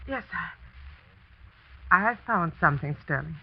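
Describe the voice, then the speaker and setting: An actress playing a determined schoolteacher who narrates tensely and earnestly, in a muffled 1940s radio broadcast. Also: female voice, lowish voice, expressive, moderate pace, vocal fry, slightly rough, exaggerated voice.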